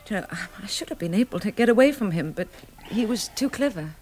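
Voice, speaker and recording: Actress as well-bred young Englishwoman, frank, shaken, hesitant delivery, mid pitch, vintage radio drama with faint noise. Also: expressive, quick pace, a little mellow, natural voice. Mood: shaken, polite. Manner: hesitant, breathless restarts, polite. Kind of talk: 1960s British radio drama acting.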